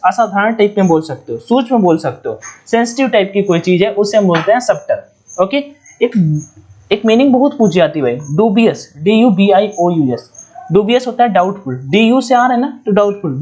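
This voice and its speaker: Hindi-accented man teaching vocabulary slowly. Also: high voice, a little mellow, highs cut off. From India. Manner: explains slowly, spells words letter by letter, repeats himself. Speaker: exam prep teacher. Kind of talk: online English vocabulary lesson.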